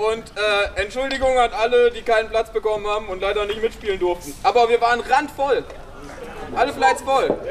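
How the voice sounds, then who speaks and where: At a moderate pace, a man speaks with an extremely high pitch amid noticeable background noise. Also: ordinary pitch variation. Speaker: disc golf club organizer. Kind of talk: interview. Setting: outdoors.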